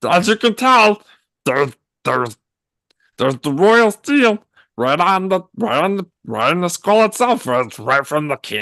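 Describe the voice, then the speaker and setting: Against a quiet background, a man does a put-on character voice at a moderate pace, high-pitched with very wide pitch swings and long, frequent pauses. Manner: acted character voice.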